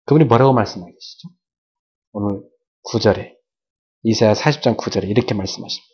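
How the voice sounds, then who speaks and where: A man preaching a sermon at a church service, animated, tossing sound-effect words and questions to the congregation. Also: lowish voice, fast talker. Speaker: pastor. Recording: dull lo-fi church video recording.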